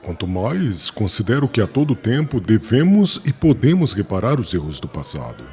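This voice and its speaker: An actor playing a fervent, unwavering young Jewish convert in an audiobook drama, speaking in a solemn, declamatory manner. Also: male voice, mid-range voice, darkish tone, breathy edge.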